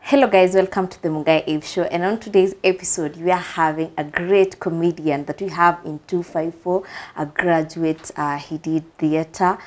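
A woman's voice: on the low side, steady tone, normal speed, hardly any pauses. A young woman hosting a casual interview on an indoor studio set, asking questions in a friendly, teasing way. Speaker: interview host.

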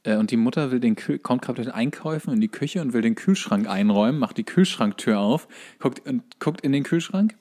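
A man's voice: medium pitch, expressive, fairly quick, hardly any pauses, a little mellow. A man talking casually as co-host of a podcast. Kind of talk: casual chat.

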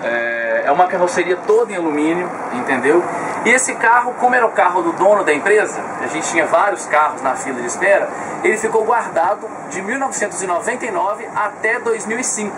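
A young man in his twenties with a Brazilian Portuguese accent, calmly explaining his motorhome to an interviewer and pausing on filler sounds. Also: high voice. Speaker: motorhome owner showing his vehicle. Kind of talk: casual interview, explaining details. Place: inside a parked motorhome. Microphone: camera mic, speaker facing the camera at close range. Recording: distant camera mic with clear background noise.

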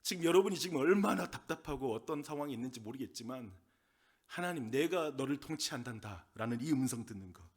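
A male pastor with a Gyeongsang Korean accent preaching a sermon, swinging between loud, emphatic lines and soft whispered asides. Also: mid-range voice, husky.

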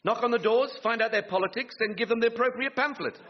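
A man's voice: very high-pitched, fast talker. An actor playing a pompous, deluded Englishman with political dreams, in a colloquial, oratorical manner for a radio sitcom. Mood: confident scheming. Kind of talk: radio sitcom acting before a live audience. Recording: dull, noisy radio sitcom recording with clicks.

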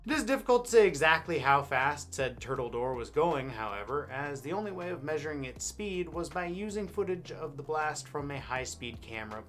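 An American man in his thirties narrating scripted comic history with wry, deadpan sarcasm. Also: a little high. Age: 30s. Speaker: host. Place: indoor studio with backdrop.

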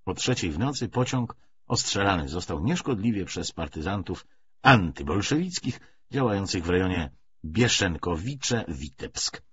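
A man narrating a novel as an audiobook in an expressive literary style. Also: low voice, normal speed, muffled recording, slight background noise.

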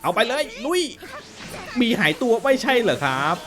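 A young man runs through a fighting game with bouncy, lively commentary, his voice leaping up and down as he cheers and mouths whooshes and hits. Game music plays clearly behind him. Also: very high voice, normal speed. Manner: excitable, mouths sound effects for attacks. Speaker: gaming YouTuber. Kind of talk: playful gameplay commentary.

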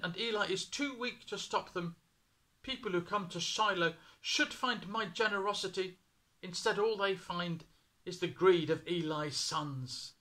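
Commanding divine voice, raised and forceful, as a man puts it on; high and bright, storybook reading. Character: God, a commanding, solemn divine voice.

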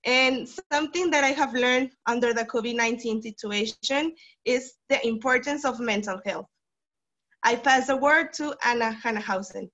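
A woman's voice: on the high side, normal speed, a bit bright. Young Mexican woman moderating a video call. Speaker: workshop moderator. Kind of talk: online workshop introduction. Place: small room indoors. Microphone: laptop video call. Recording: muffled video call audio.

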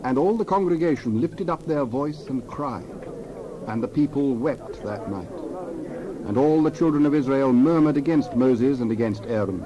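Mellow male scripture narrator. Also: mid-range voice, normal speed, dull audio, a little hiss or hum.

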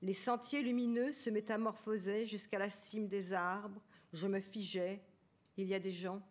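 A woman reading a first-person memoir aloud on a literary stage, measured and intimate. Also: medium pitch, fairly even intonation. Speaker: reader of a memoir.

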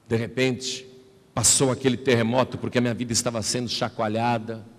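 A man preaching a personal testimony, shifting from slow, hushed, low delivery to high, emotional outbursts. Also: level tone. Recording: long hall reverb.

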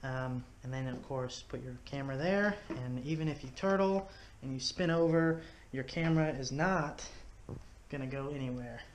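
A man's voice: mid-range voice, normal speed, a little hiss or hum. A man from Texas explaining step by step while building something with his hands, talking casually in his living room into a head-mounted action camera. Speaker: fishing video host. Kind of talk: casual how-to demonstration. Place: living room at home, indoors.

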